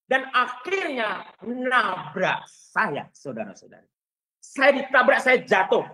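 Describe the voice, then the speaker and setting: A male Catholic priest giving a sermon in an animated storytelling manner. He often turns to address the congregation directly and sometimes raises his voice to a shout for emphasis. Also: very high-pitched, takes it slowly.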